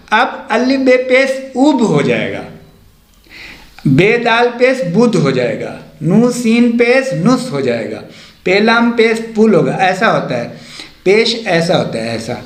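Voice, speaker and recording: Patient, high-voiced man teaching slowly. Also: sing-song, reverberant. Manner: patient, repeats letter names slowly. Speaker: Urdu teacher. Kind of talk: step-by-step language lesson.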